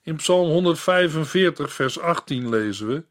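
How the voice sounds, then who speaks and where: A man reading a scripted Bible commentary in a calm, measured way, as a Bible teacher. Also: fairly high pitch.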